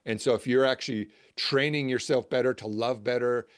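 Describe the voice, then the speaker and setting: A man's voice: mid-range voice, steady tone, a little fast, no echo, studio quality. A middle-aged man, a guest author and church trainer, giving enthusiastic explanatory answers and often restarting his sentences. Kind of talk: interview answers.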